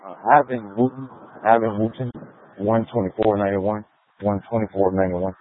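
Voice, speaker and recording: A man's voice: on the low side, flat delivery, fairly quick, no room sound. A man, a police officer calling dispatch by radio, giving clipped, procedural strings of plates, names and numbers. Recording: narrow, tinny police radio transmission.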